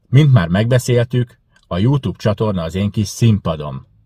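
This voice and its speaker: A man speaks at a moderate pace with a fairly low pitch and a somewhat breathy voice. The sound is dry with no echo, over a quiet background. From Hungary. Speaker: YouTuber, charity fundraiser; YouTuber. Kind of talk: vlog monologue. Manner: forceful. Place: car. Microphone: phone near.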